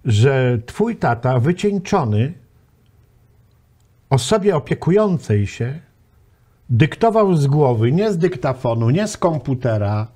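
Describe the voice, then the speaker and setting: A man's voice: on the high side, mellow. A man hosting a talk show interview, prompting his guest and finishing his sentences. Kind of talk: interview chat.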